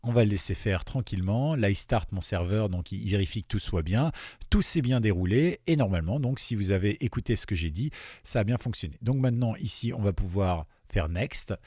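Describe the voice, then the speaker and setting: Casual software tutor, male, low mellow voice, dry close sound, chatty, keeps checking that viewers follow. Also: lively intonation, fairly quick, breathy edge, no echo. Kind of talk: screen-recorded software tutorial.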